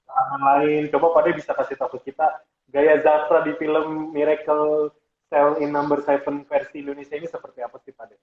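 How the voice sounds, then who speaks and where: A man's voice: fairly high pitch, completely flat delivery, brisk. A male host asking a guest questions in an upbeat, casual interview. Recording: tinny phone-like sound in an echoey room.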